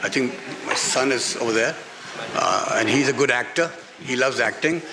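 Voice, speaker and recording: At a garden-venue literary festival, a middle-aged author with a Pakistani accent answers frankly on a panel, with crowd noise and live-event background sound. His mid-range voice is gravelly at normal speed, and he speaks emphatically, repeating phrases for emphasis.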